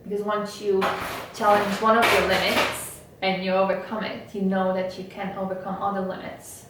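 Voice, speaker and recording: A woman's voice: mid-range voice, moderate pace. A woman whose first language is Estonian, speaking earnestly and motivationally as an interview guest. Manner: earnest, motivational, steady and even. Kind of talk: interview conversation. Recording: echoey room, from a distance, faint noise.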